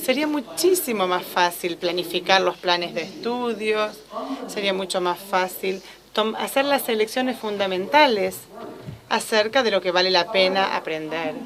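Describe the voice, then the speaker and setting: Woman interpreting a lecture live. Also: mid-range voice. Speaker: simultaneous interpreter.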